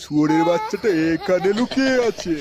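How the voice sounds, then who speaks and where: A man's voice: high-pitched, lively intonation, a little fast. A man playing a suspicious, hot-tempered husband in a comic cartoon, coarse and accusing in manner. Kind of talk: exaggerated comic cartoon dialogue.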